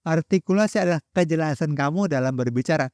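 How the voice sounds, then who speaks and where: Young Indonesian man, higher voice, dry sound. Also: quick pace, a little mellow, no room sound. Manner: direct, addresses viewer as friend, instructive. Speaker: content creator teaching public speaking. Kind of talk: scripted-sounding solo tutorial to camera.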